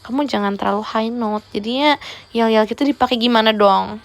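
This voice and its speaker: Chatty young woman, higher voice. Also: a little fast. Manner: chatty and teasing, mixes in English words. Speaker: idol livestreamer. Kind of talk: playful role-play livestream chat.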